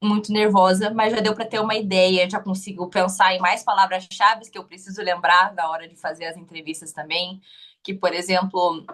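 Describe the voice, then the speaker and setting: A woman's voice: mid-range voice, little pitch movement, moderate pace, a bit bright. A young woman with a Curitiba Brazilian Portuguese accent, telling her interview story casually, hesitant with many restarts.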